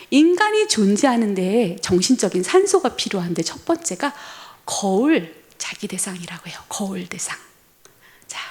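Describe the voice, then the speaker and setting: A woman preacher giving a sermon in a church, telling stories animatedly and speaking to the congregation. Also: mid-range voice. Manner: animated storytelling with acted quotes, addressing the congregation.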